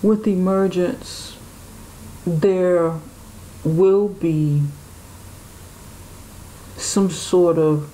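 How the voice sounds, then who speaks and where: A woman's voice: lowish voice, steady tone, drawn-out words, long pauses, dark tone, slight background noise, low-quality recording. A woman giving an intuitive tarot reading, musing aloud and speaking to spirit and the viewer. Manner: musing, talks to spirit and viewer, laughs often. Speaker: tarot reader.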